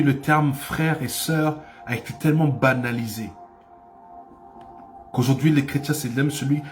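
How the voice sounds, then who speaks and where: A male pastor with a middle-pitched voice preaches a fervent sermon that moves from calm teaching to loud, urgent cries. He repeats phrases to press his points home, while faint music plays underneath.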